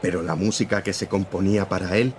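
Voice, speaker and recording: A man's voice: deep voice, steady tone, fast talker, a little hiss or hum, close to an everyday voice. A man playing a stern newspaper editor. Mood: earnest. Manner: firm, lecturing, morally serious. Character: stern, principled male newspaper editor-in-chief.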